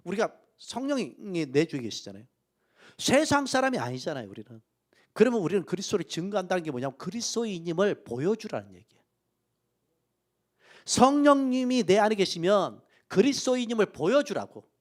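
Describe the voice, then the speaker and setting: Male pastor, middle-aged, lively higher voice, sermon with hushed asides and loud emphatic peaks. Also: a little fast. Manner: emotional storytelling, swinging from soft asides to loud emphatic peaks. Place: church sanctuary.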